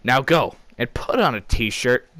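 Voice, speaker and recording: A man voicing a gruff, exasperated police sergeant giving scolding orders in a comic story. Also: medium pitch, lively intonation, a little slow, fairly bright tone, no room sound.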